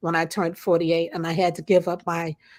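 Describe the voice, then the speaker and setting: The recording is very clean, with a silent background. A woman speaks in it at a fairly low pitch. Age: 60s. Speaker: lupus patient advocate. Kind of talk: casual chat.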